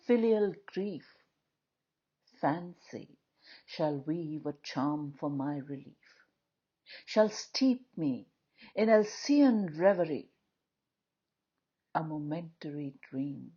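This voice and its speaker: A woman reciting poetry in a solemn, dramatic, measured style, pausing often between short phrases. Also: on the low side, dark tone, dull audio. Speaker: poetry reader.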